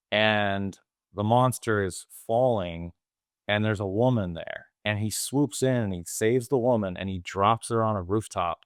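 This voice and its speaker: A man's voice: lowish voice, dry recording, clean studio sound. A man co-hosting a movie podcast, eagerly retelling film scenes at length in casual chat. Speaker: podcast co-host.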